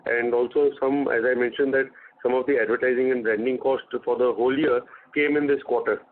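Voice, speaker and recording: Male company executive, Indian accent, mid-range voice, measured and halting answers over a narrowband call. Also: medium pitch, steady tone. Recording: narrowband phone conference line.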